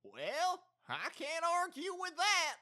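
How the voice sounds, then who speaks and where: A man's voice: very high-pitched, huge pitch swings, slow, very noisy, full character voice. A man playing a folksy, easily alarmed farmer father in an amateur audio drama. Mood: puzzled.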